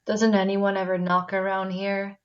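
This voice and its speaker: Dull, lo-fi call audio carries a woman acting a fragile young woman confined to a mental hospital. She is distraught and on edge, at a middle pitch, as in a table read of a screen drama. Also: flat delivery, normal speed, natural voice. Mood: resentful, guarded.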